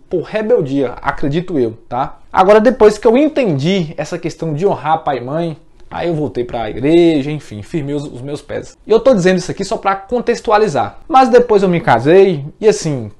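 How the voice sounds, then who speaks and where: A man's voice: fairly high pitch, darkish tone. A man in his twenties from Brazil, giving an earnest, emotional personal testimony as a Christian speaker, repeating words as he tells his story.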